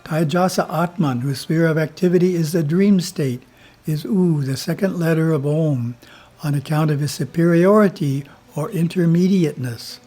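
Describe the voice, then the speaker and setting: A man who is a spiritual teacher reads his editorial in a slow, measured way and chants Om between the passages. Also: fairly high pitch, warm tone, soft background music.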